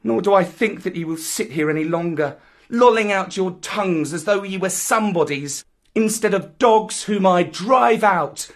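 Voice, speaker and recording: A man's voice: high voice, moderate pace, pitched above the performer's own voice. A man voicing a proud young jungle boy in a storybook, defiant and commanding, with declamatory archaic speech. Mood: scornful, fierce. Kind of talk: dramatic storybook reading.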